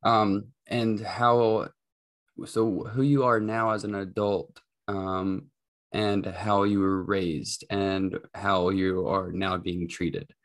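A woman co-hosting a podcast, talking casually, slowly searching for her words. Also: very deep voice, flat delivery. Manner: slow, hesitant, searching for words. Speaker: podcast co-host. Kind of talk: casual chat. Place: room, sitting far from the mic.

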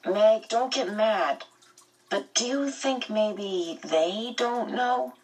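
A woman reading aloud, voicing a kind teenage boy who talks to a friend gently and reassuringly. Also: mid-range voice, extremely slow, slightly rough, far from the mic, voice pushed up. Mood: gentle.

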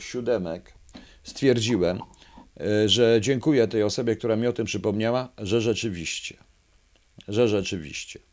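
Low-voiced man reading verse to an audience. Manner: hesitant asides with fillers between lively readings. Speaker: speaker reading a poem to an audience.

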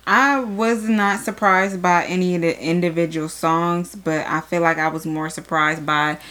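A woman's voice: lowish voice, moderate pace. A young adult woman co-hosting a podcast, chatting casually and loosely with slang. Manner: relaxed, conversational, uses slang. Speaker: podcast co-host. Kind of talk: casual chat.

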